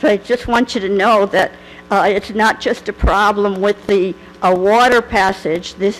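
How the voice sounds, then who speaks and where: Noticeable background noise sits behind a woman speaking at a moderate pace and medium pitch. Her loudness stays very even and her intonation fairly even. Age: 70s. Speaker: public commenter at city council. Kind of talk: public comment at council meeting.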